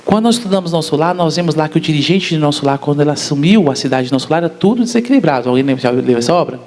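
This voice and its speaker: A man delivers a spiritist public lecture in an animated way, frequently putting questions to the audience. His voice is on the high side and he speaks rapid-fire.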